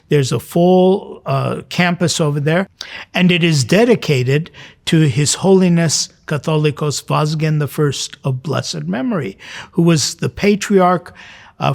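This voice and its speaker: A man's voice: a little high, gravelly. A man hosting a church programme as a priest, talking informally and explaining things directly to his viewers in a conversational way.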